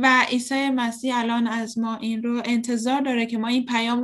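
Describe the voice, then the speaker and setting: A woman speaks at a fairly quick pace, her pitch fairly high. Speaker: interpreter. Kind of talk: consecutive interpretation of bible class.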